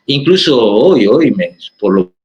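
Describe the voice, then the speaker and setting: A man with an Argentine accent speaking as a panelist in a discussion, halting, with many fillers and restarts. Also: mid-range voice, very animated, darkish tone, husky, highs cut off. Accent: Argentine Spanish.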